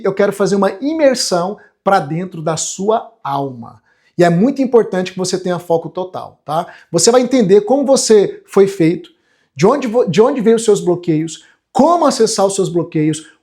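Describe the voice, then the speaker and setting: A man's voice: high voice, a little mellow. A Brazilian man in his forties giving a motivational online class as a coach, speaking earnestly and emphatically and often checking for agreement. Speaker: self-development coach hosting an online class. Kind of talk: motivational live lecture to viewers.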